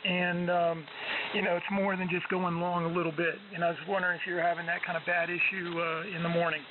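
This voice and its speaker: Male ham radio operator, high voice, hesitant casual chat, noisy static. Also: level tone, a little fast. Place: amateur radio transmission on 40 meters. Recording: tinny narrow-band shortwave radio, noisy static.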